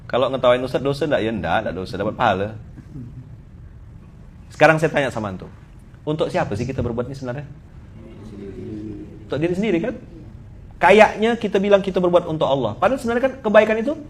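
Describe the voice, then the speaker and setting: A middle-aged man preaching a humorous sermon with a Pontianak Malay accent, teasing his listeners in a lively storytelling manner. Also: on the high side, slight background noise. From Pontianak, Indonesia.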